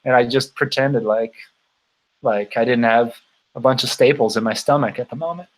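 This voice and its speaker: A man in his thirties hosts a casual livestream in a medium-pitched voice. He talks informally and rambles, often halting to find his thought. His voice is tiring from long use. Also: low-quality recording. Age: 30s. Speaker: host of a bicycle touring channel.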